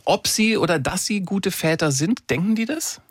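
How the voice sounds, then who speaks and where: A male radio host talks in a slightly higher voice, easy and conversational with thoughtful pauses. The studio sound is dry and close. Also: lively intonation, breathy edge, no room sound. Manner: conversational, hesitant fillers, reflective. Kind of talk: radio talk show.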